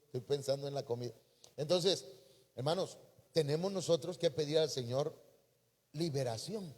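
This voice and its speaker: A man with a Mexican accent preaching a sermon as a pastor, breaking into sudden loud emphatic rises. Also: on the high side, moderate pace. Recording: reverberant church hall.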